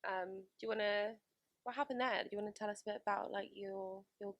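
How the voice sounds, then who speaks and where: A woman's voice: medium pitch, steady tone, quick pace, dry recording, muffled recording. A woman hosting a Christian radio show, introducing and interviewing her guest.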